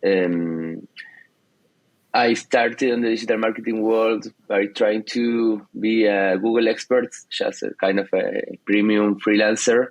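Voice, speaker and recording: A man in his thirties from Argentina, speaking English with an Argentine Spanish accent, telling his story as a guest in a casual interview, pausing often with fillers and restarts. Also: lowish voice, steady tone, dry recording, poor audio. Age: 30s. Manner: hesitant, many fillers and restarts. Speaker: guest entrepreneur.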